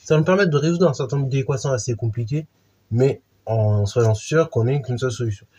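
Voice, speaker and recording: A man's voice: mid-range voice, a little fast, dark tone, slightly rough. A man teaching a math lesson in an informal way, with many fillers and restarts while he explains a theorem.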